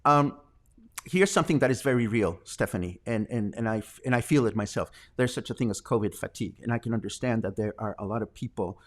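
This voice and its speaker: A man's voice: fairly low pitch, quick pace. A man from Mexico hosting a daily live news stream, talking earnestly and defensively, with fillers and restarts.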